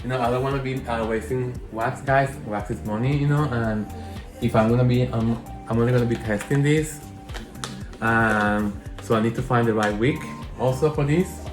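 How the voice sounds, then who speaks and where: A man's voice: mid-range voice, steady tone, normal speed. A man with a Spanish accent talking through a candle-making session in a casual, rambling way, often correcting himself as he goes. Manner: rambling, self-correcting, chatty. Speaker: candle maker. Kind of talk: casual hands-on tutorial. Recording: roomy echo, faint music.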